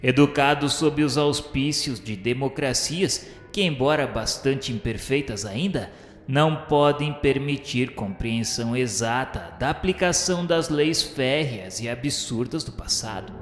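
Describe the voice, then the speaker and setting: A man's voice: medium pitch, lightly acted. Man acting solemn, tormented Jesuit inquisitor in reverb. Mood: grim, bitter. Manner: solemn, formal, theatrical, deliberate diction. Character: tormented, vengeful Jesuit officer of the Inquisition confessing obsessive love. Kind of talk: dramatized first-person radio novela narration. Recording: echoey hall reverb, music behind.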